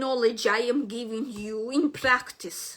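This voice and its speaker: A woman with a non-native accent projects a raised voice with a bright, sharp tone. Her intonation is lively. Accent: non-native English, noticeable. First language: not English. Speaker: astrology and numerology channel host. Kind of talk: casual video monologue. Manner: halting, with many fillers.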